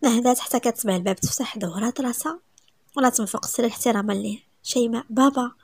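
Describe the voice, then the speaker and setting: A woman with a Moroccan accent reading a romance story aloud, brisk and even, dropping to a soft whisper at times. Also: on the high side, slightly rough, no room sound, studio quality.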